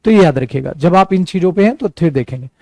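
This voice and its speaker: A man with an Indian accent and a fairly high voice teaches spoken English. He explains in Hindi, repeats English example sentences slowly, and encourages his students as he goes. The sound is dry, with little room echo. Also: animated, gravelly, a little mellow. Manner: encouraging, calls students "beta".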